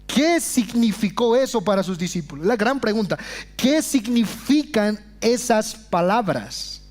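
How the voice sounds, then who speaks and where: High-voiced impassioned male preacher. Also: lively intonation, a little slow. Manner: impassioned, swings to hushed low phrases; addresses congregation as brothers. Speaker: pastor. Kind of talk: sermon.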